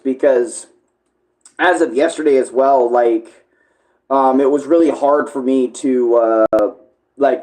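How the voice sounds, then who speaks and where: In a mid-range, slightly mellow voice, this streamer and online video creator chats loosely on his livestream. He rambles, frequently hunting for the right word and fixing what he's said.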